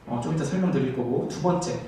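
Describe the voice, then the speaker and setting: A man's voice: medium pitch, fast talker, warm tone. A man teaching a TOEIC class, explaining step by step and often checking in with his students. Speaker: TOEIC instructor. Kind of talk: classroom lecture. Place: classroom in a language school. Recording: echoey classroom, distant camera mic, faint hiss.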